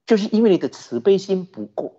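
Lively man preaching, husky, lo-fi. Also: high voice, fairly quick. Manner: lively storytelling, rhetorical questions, chuckling. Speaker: Buddhist teacher. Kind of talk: sermon. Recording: dull lo-fi recording.

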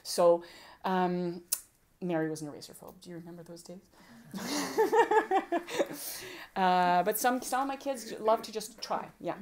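A woman presenting an informal workshop on homeschooling, lively and fond of acting out little exchanges between a parent and a child. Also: lowish voice, a little slow, long pauses. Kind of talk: informal teaching talk to a group.

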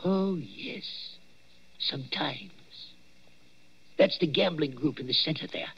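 Old man watchman, gravelly high voice, hesitant uneasy manner, 1940s radio drama, muffled old recording. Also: animated, takes it slowly, fairly bright tone, full character voice. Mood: uneasy, hushed. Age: older. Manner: hesitant, full of 'uh's, spooky storytelling. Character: nervous old male waxworks night watchman.

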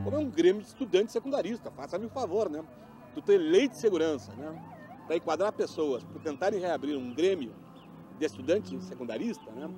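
A man's voice: fairly high pitch, noisy background. A man in a documentary interview, insisting on his point with repeated tag questions.

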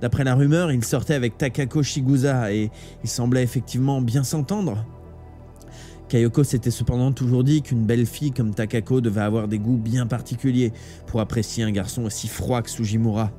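A man narrating a novel live in a warm, mellow voice, with steady and dramatic storytelling. A soft bed of music plays faintly behind him. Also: mid-range voice, fairly quick. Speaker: audiobook reader.

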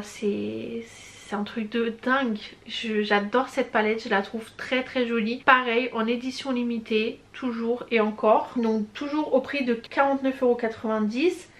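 Young female vlogger, slightly high voice, chatty and effusive, casual review tone. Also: a little hiss or hum. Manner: chatty and gushing, many hesitations and slang. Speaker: beauty vlogger. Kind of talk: casual product review chat.

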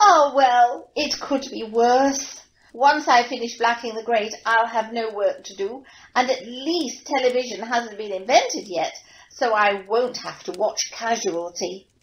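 A woman's voice: fairly high pitch, unhurried, slight background noise, natural voice, low-quality recording. A woman playing a sweet, naive young servant girl in an audio pantomime, recorded at home over a video call. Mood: resigned.

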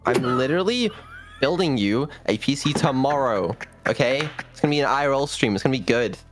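A man's voice: mid-range voice, expressive, a little fast. Matter-of-fact man in casual chat. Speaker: friend called on a show. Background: music.

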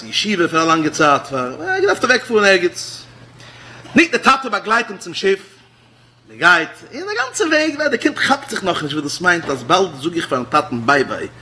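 Animated Hasidic rabbi preaching. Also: male voice. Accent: Hasidic Yiddish. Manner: swings between loud exclamations and low murmured asides. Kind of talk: Yiddish-flavored Hasidic sermon.

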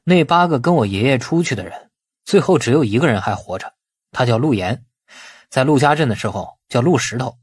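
A male narrator plays a patient young son in an audiobook drama. He reasons conversationally with his mother in a mid-pitched, husky voice, captured dry. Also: expressive, brisk, no echo. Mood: patient explaining. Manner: explanatory, conversational.

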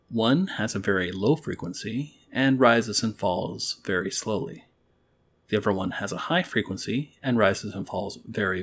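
Man, slightly low voice, husky, calm step-by-step teacher, desk microphone. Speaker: library educator. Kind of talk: screen-recorded tutorial. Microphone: quality desk microphone.

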